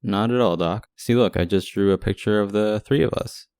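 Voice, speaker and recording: Guy playing a sweet jokey boyfriend, asmr roleplay, really low voice, close dry sound. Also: moderate pace, clean tone, no echo, close to an everyday voice. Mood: upbeat, wry. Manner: teasing, sweet, gently joking. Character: affectionate, playful young boyfriend visiting hospitalised partner. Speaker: audio roleplay voice actor.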